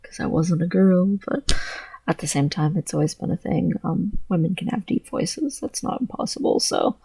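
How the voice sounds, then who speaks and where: A trans man talking through his thoughts in a personal vlog, halting and earnest, with a voice he describes as deeper than most girls'. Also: lively intonation, dark tone, no echo, low-quality recording. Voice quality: low voice with gravelly fry. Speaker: vlogger.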